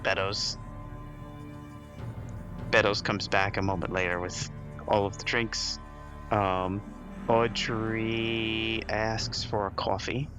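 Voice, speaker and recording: A man's voice: fairly low pitch, level tone, slow, over music. A man narrating a tabletop role-playing game as game master, casual and laughing often.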